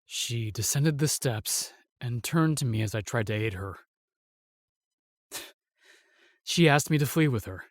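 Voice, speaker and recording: A man playing a solemn, remorseful knight in a fantasy audio drama, telling things in a halting, weighty way. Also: mid-range voice, no room sound, studio quality, lightly acted. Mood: pained. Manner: halting, weighty storytelling with sighs and pauses. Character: solemn, remorseful knight, sworn protector of the realm.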